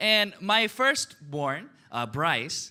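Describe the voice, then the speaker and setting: An animated male voice. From United States, Korean immigrant family. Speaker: network marketing speaker. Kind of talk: motivational seminar talk.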